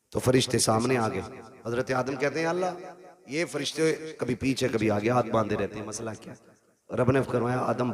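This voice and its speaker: A man's voice: mid-range voice, a little mellow. A male preacher giving a sermon on stage into a microphone, telling stories and coaxing the crowd to call back. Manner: storytelling that keeps urging the crowd to call out. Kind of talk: sermon at a live religious gathering. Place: stage at a large gathering with a PA system.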